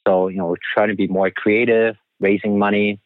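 A man from Taiwan speaks as an interview guest over a narrow, phone-like line. His voice sits fairly low and the sound is dry. He answers conversationally, in the role of a financial coach. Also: level tone, brisk, no echo. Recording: thin phone-like band-limited line.

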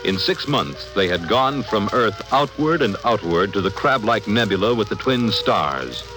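A man's voice: lowish voice, very animated, a little slow, music in the background, low-quality recording. A man narrating a 1950s radio drama in a grave, portentous manner.

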